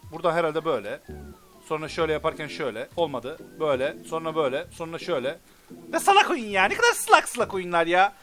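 Excitable, high-pitched gamer cursing at a game. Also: male voice. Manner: excitable, frustrated, curses often. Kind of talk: let's play commentary. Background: game music.

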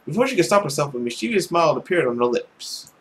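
A man's voice: on the high side, sing-song, quick pace, slight background noise. A young man reading a visual novel aloud as a let's play host, reacting in a playful, exclamatory way. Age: young adult.

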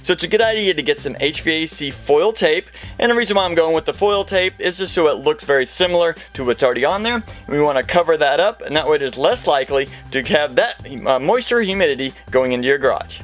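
A middle-aged man with a slightly high voice talks viewers through home repairs. He is plain-spoken and practical, explaining each step to camera, with music playing behind him. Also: lively intonation, fast talker, few pauses, fairly bright tone. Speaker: host of a home improvement how-to show. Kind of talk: instructional how-to explanation to camera.

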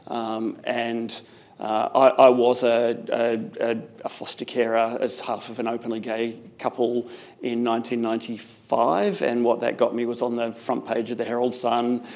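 A man's voice: mid-range voice, little pitch movement, a little mellow. A middle-aged man answering audience questions on a conference panel, often restarting his sentences. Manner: halting, frequent restarts. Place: conference stage with plants.

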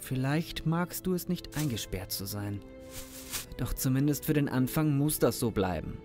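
A man's voice: mid-range voice, lively intonation, moderate pace, music in the background, lightly acted. A man playing a timid, awkward accountant who speaks hesitantly in a German audio drama. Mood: gentle, coaxing. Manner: hesitant, stammering. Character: timid, awkward loner male accountant doting on his snake.

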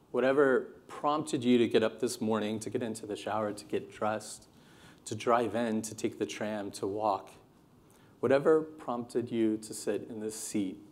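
Speaking to a seated conference audience, this fairly low-pitched American man from California, in his thirties, delivers his keynote with earnest, animated passion. He moves around the stage as he talks into a podium microphone.

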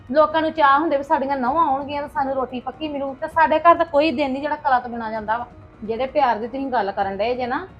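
A middle-aged woman playing a sharp-tongued village mother who rants loudly and fast. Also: high-pitched, dull audio, lightly acted. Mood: indignant. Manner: rapid scolding rant, loud. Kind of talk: family comedy-drama skit.

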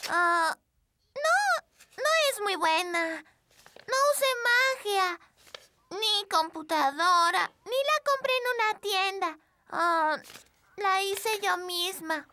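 A woman with a Latin American Spanish accent voicing a sweet, excitable little fairy princess in a children's cartoon, childlike and expressive. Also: very high voice, slow, heavy background noise, exaggerated voice. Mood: bashful. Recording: loud music behind.

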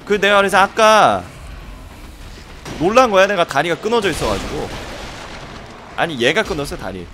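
A man streaming a game, commenting excitedly, swearing at an opponent, swinging between muttering and shouting. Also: high-pitched, moderate pace, pauses often, background noise. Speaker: gameplay streamer. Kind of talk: live gameplay commentary.

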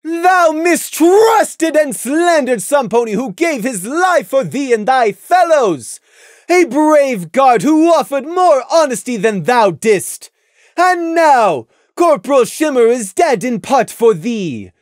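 A stern royal mare who speaks in thee and thou, pitched high and loud, as a reader puts her on. Her speech swings widely in tone, imperious and commanding. The recording is dry and close. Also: animated, unhurried, no room sound. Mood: demanding. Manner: archaic formal speech, commanding. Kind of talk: audiobook reading of fan fiction.

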